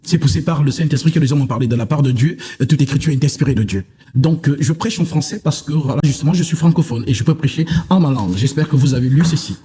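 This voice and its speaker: A man's voice: on the high side, fast, dark tone, slightly rough. A man from Africa speaking as a preacher in a televised religious debate, with a self-assured, boastful and dismissive manner.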